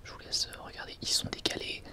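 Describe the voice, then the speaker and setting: Whispering Frenchman, ASMR style. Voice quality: breathy, unvoiced whisper. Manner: hesitant, halting, wryly sarcastic. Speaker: ASMR video host. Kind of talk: whispered ASMR product review.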